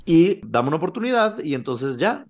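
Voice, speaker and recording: A man's voice: on the high side, normal speed. A man, a podcast co-host casually telling a horror legend and acting out the quoted lines. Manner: animated, acts out quoted lines.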